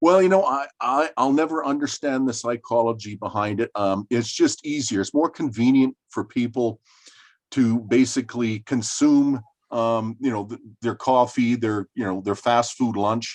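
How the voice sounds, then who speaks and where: With a Canadian accent, a man talks at medium pitch and a moderate pace, his pitch varying in an ordinary way over a dry, close sound with no echo. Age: 60s. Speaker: small business owner. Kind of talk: interview. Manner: halting, many fillers and repeats.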